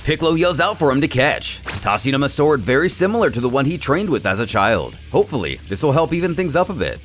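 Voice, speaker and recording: Lively male recap narrator. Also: medium pitch, quick pace. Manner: lively, expressive storyteller with asides. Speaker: channel host. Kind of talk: scripted story recap narration. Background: soft background music.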